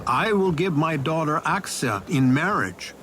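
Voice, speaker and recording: An actor playing a commanding tribal patriarch in a dramatized audio Bible. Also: male voice, on the high side, lively intonation, a little slow, background noise. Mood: proclaiming. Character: commanding tribal patriarch, father offering his daughter.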